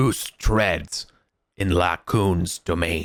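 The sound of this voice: On a very clean recording with a silent background, a man uses a booming, raspy put-on character voice pitched very deep and low.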